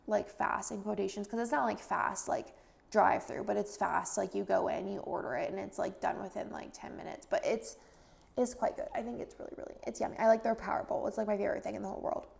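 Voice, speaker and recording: A woman's voice: medium pitch, steady tone, a little fast, vocal fry, darkish tone. A young woman chatting casually in a vlog voice-over, rambling with lots of fillers, a bit stuffy and congested. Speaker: planner vlogger.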